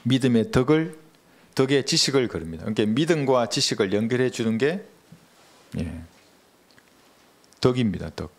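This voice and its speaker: Male pastor, mid-pitched voice, earnest measured sermon delivery, rhetorical questions to the congregation. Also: expressive.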